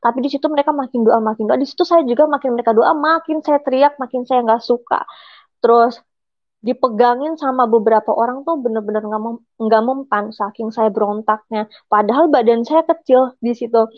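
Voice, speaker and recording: A young woman telling her personal conversion testimony in a halting, emotional way, with many fillers and restarts. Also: on the high side, no echo, dull audio. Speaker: testimony giver.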